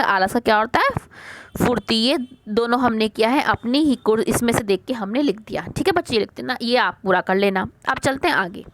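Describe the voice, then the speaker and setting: A woman teaching a worksheet lesson to young pupils. She asks a question, answers it herself, repeats the words slowly and calls the children "beta". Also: on the high side, a bit bright. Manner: mixes English words like question, first into her talk.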